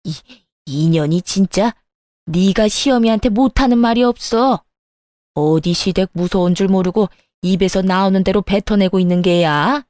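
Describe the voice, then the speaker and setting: A woman's voice: medium pitch, moderate pace, darkish tone, dry recording, lightly acted. Woman voicing a nasty bossy mother-in-law, harsh and scolding, dry close sound. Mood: indignant scolding. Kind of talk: audio drama acting.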